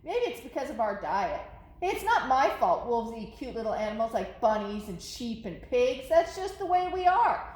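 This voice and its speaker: A woman's voice: a little high, big pitch swings, moderate pace, a little mellow, echoey room. A woman voicing a storybook wolf who chattily protests his innocence as he tells his side. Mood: aggrieved, confiding. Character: self-justifying folksy wolf telling his side.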